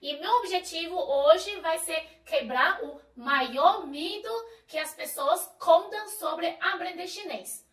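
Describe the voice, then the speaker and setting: Bright, animated woman teacher, native Chinese. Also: extremely high pitch. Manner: lively, encouraging, explanatory. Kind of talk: video lesson to camera. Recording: roomy echo, voice a bit far from the mic.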